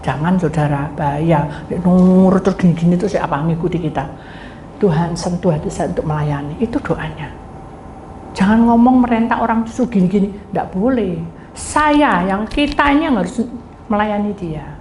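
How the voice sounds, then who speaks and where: A middle-aged woman pastor delivers a sermon to her congregation, telling stories and acting out voices. Her voice is mid-range and somewhat dark, at a normal speed. The room is echoey, with faint ambient noise.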